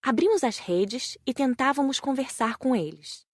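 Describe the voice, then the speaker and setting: A woman's voice: high voice, expressive, moderate pace, no room sound, clean studio sound. A woman with a Brazilian accent reading a scripted first-person audiobook narration.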